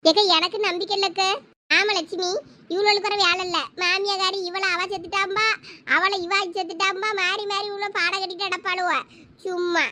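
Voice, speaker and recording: A woman voicing gossiping adult women in a cartoon comedy, speaking a with lively banter. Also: very high voice, moderate pace, slight background noise. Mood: alarmed doubt.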